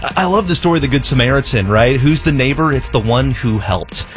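A man's voice: mid-range voice, animated, fairly quick, faint music behind. A man from Zimbabwe, a charity spokesman, telling a heartfelt story in a radio fundraising appeal, often repeating words as he goes.

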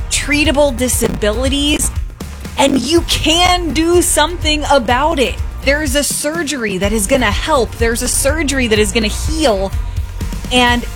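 A woman radio host making an earnest fundraising appeal, urging listeners to give. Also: high voice.

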